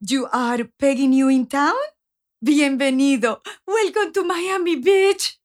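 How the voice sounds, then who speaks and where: An excitable, brash Latina receptionist at a hair salon for an audio comedy. The voice is very high, with Spanish-accented English. Spanish exclamations keep bursting into the broken English. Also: female voice, a little slow. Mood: bubbly, friendly. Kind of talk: comic audio drama acting.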